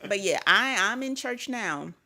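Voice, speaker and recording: A woman from Zambia talking in a casual chat as a podcast guest, emphatic and animated, with sudden high exclamations. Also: a little slow, a crowd in the background.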